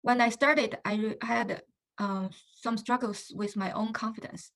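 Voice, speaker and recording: Earnest woman with a Chinese accent, gravelly. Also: fairly high pitch, fairly even intonation, a little slow, a bit bright. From China. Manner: earnest, with frequent uh and um. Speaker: coaching student. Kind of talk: recorded testimonial.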